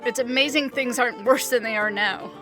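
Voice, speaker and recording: An actress playing a disillusioned, self-doubting leader and fed-up wife in an audio drama, with intense, emphatic delivery. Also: female voice, on the high side, fairly quick, bright, forceful tone, soft background music. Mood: regretful.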